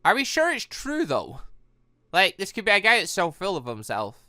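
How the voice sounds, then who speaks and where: Male gaming commentator, lively swooping pitch, bright tone, rambling casual asides, dry recording. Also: normal speed, no echo. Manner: rambling, animated, stammering asides. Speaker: gaming video host. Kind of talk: casual game playthrough commentary, reading dialogue aloud.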